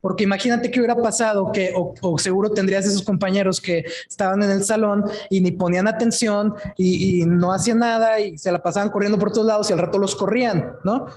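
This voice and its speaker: A man's voice: high voice, steady tone, quick pace, hardly any pauses, a little mellow. Male pastor, sermon to a live congregation, chatty delivery, keeps checking in with the room. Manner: conversational preaching, often asks the congregation questions; frequent tag questions and restarts. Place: church service before a congregation.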